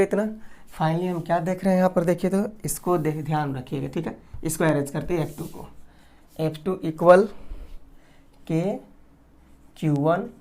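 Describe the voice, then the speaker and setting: A male physics teacher giving a lecture in a mellow, relaxed voice. He quizzes the class with rhetorical questions and then answers them. He draws out each word slowly as he writes it on the board. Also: sits high. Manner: stretches out words slowly while writing.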